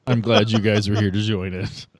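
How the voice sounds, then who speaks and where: Low-voiced man running a tabletop game. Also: flat delivery, normal speed, no echo. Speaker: game master. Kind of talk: casual tabletop game narration. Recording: music behind.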